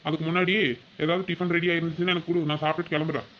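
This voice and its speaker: A woman voicing an easygoing middle-aged village husband in a cartoon, with a relaxed, unhurried drawl. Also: fairly low pitch, lo-fi sound, a little hiss or hum, voice pushed down, lightly acted.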